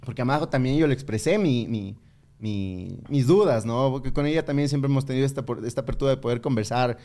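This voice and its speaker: A man's voice: medium pitch, quick pace. A young man, a comedian telling a story in casual talk and acting out other people's lines. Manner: animated, acts out others in quoted voices. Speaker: comedian guest.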